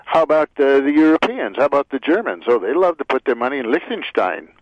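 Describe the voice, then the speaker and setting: A man's voice: mid-range voice, lively intonation, dry recording. Guy rambling on the radio, lots of uhs, dull dry sound. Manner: halting, many filler "uh"s, rambling; heated and cynical about politicians. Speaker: author and radio commentator. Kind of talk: unscripted radio commentary. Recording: dry muffled radio audio.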